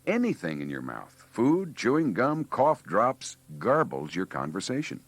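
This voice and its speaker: Deep-voiced man, dramatically animated narration. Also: measured pace, breathy edge. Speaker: training narrator. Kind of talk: scripted narration for a 1980s hospital training filmstrip.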